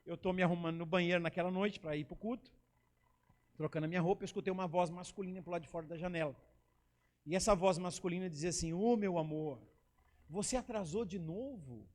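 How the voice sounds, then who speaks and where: A male pastor with a Brazilian Portuguese accent, telling a humorous story in a sermon, animated and slangy. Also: high-pitched, fast. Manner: animated, slangy, acts out scenes.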